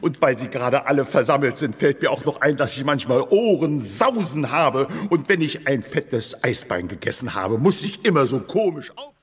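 An actor playing a pompous, hypochondriac small-town mayor giving a speech in a radio play. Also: male voice, medium pitch, expressive, moderate pace, few pauses, breathy edge. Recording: hall reverb from an audio clip.

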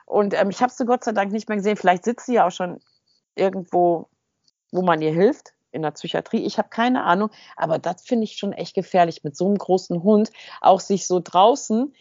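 A woman co-hosting a podcast, telling a story in a lively, casual way and acting out the dialogue. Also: mid-range voice, brisk, dry recording, dull audio. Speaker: podcast co-host.

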